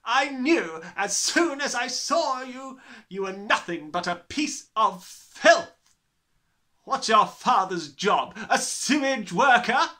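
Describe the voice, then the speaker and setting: A man voicing a huge, bullying headmistress, bellowing with scornful, drawn-out menace in a storybook reading. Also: very high-pitched, lively intonation, bright, forceful tone, pitched above the performer's own voice, heavily acted. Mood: furious bellowing. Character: huge, bullying, furious tyrant headmistress, adult woman.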